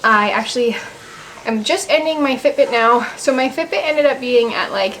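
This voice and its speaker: This woman's vlog chat is casual and filmed at home, her voice on the high side and fairly bright at a normal speed. The audio quality is poor, and light ambient noise sits in the background.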